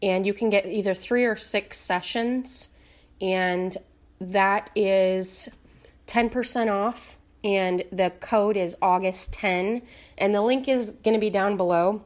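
A woman speaking casually to camera as a teacher, her voice a little raspy, with many fillers and restarts. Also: medium pitch, fairly even intonation, slow pace. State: slightly raspy voice. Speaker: psychic medium teacher.

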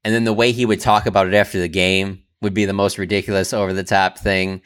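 Rambling low-voiced male cohost. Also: level tone, fairly bright tone, smooth. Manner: rambling, laughs easily, bursts of quick talk. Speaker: podcast cohost. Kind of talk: casual sports chat.

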